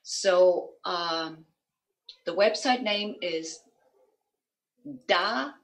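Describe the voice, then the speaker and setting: A woman with a German accent tinged with American, guiding an online session and spelling things out slowly and carefully. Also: lowish voice, low-quality recording. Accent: German with some American. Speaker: energy-work teacher. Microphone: video call.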